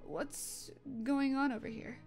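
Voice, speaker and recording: A woman's voice: sits high, steady tone, slow, a little mellow, faint music behind. Woman doing a grumpy, groaning young jeweler. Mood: annoyed. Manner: annoyed, grumbling. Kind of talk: narrated role-play story.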